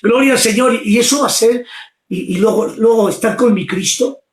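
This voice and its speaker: High-pitched man preaching fervently. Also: normal speed, echoey room. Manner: fervent, shouts and exclaims often. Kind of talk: impassioned preaching.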